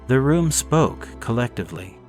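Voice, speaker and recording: A man reads scripted gothic horror as its narrator. His delivery is dramatic yet measured, somber and suspenseful, in a mid-pitched voice over background music. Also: sing-song.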